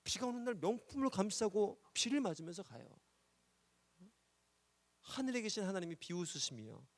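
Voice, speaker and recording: A man's voice: high-pitched, very animated, moderate pace, dry recording. A male pastor preaching a sermon, telling a story and repeating key words for emphasis, often checking in with the congregation. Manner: prompts the congregation with "예?".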